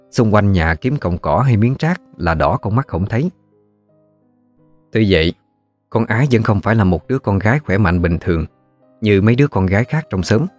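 Deep-voiced Southern Vietnamese male storyteller. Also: a little mellow, no echo. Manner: folksy, unhurried storytelling. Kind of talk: scripted ghost story narration.

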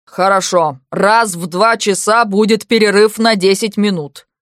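A woman voicing a brusque older German camp foreman, speaking in a loud, slow, grumbling way. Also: medium pitch, fairly even intonation, dry recording, studio quality, close to an everyday voice. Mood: grudging.

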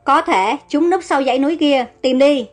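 A woman voicing a cunning, ruthless male king who barks commands, in a high voice. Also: normal speed, faint music behind, lightly acted. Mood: commanding. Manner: commanding orders.

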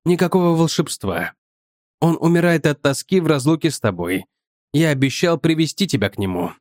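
A man voicing a weary, calm old male professor in an audiobook, low and unhurried. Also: dry recording, clean studio sound. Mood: gentle. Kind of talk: audiobook character voice.

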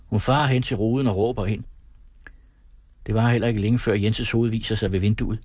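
A man reading a novel aloud as an audiobook narrator, calm and measured in his storytelling. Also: on the low side, dry recording. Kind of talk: scripted narration.

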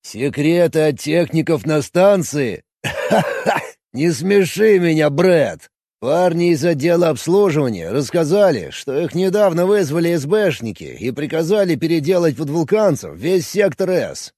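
A man voicing a big, bluff, good-natured Russian engineer who talks loud and teases, in a husky voice. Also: a little high, sing-song, measured pace, dry recording, clean studio sound, voice pushed up, heavily acted. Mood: teasing. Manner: loud jovial teasing.

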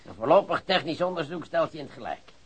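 An actor playing a volatile police investigator in a radio drama, husky, with oily, theatrical politeness that can flare up. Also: male voice, on the high side, very animated, fast talker, fairly bright tone, exaggerated voice. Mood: smug, menacing. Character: wheedling, volatile male police investigator pressing an informant.

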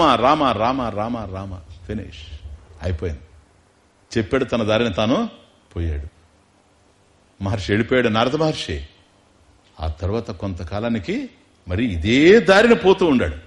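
A man giving a religious discourse, telling a devotional story, asking his listeners questions and acting out the characters' lines. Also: on the high side. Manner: slows down for emphasis, chants Sanskrit verses. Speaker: spiritual discourse speaker.

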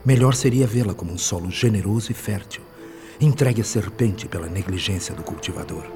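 Radio drama spirit guide: Brazilian, low warm voice, compassionate, gently admonishing, faint music underneath. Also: male voice, fairly quick. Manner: solemn, compassionate, eloquent. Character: benevolent, wise male spirit mentor, gently admonishing.

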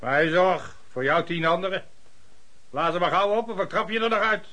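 An actor playing a coarse, belligerent, boozing lodging-house keeper in a radio drama, mocking and threatening. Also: male voice, sits high, animated, normal speed, sharp tone.

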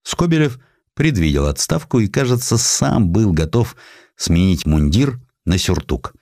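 Deep-voiced, expressive male audiobook narrator. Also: unhurried, no room sound, studio quality. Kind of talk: dramatic scripted narration of historical prose.

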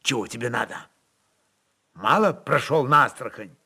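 A man's voice: medium pitch, animated, normal speed, gravelly, pushed and bright, slightly rough, full character voice. A man voicing a surly, wary prince in a radio play, grumbling and hissing under his breath. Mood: irritated, hushed.

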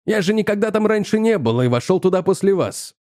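Guy reading a calm young scientist brushing things off politely, dry close sound. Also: high-pitched, fairly quick, no echo, pitched above the performer's own voice. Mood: cool. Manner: calm, coolly dismissive, polite "sir".

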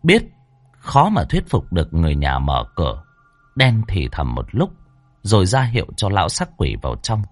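A man narrating a horror story with lively, dramatic delivery. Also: low-pitched, moderate pace, dry recording, faint music behind.

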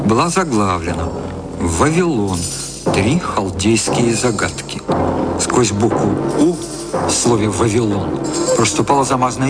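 A man narrating an audio drama in a scripted literary style, with a slightly husky voice. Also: medium pitch. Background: music.

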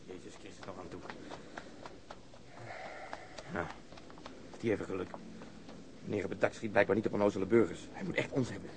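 Sardonic detective, very fast talker, low creaky voice, dry, radio play, noisy. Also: male voice, steady tone. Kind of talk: Dutch radio drama acting. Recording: noisy radio drama recording.

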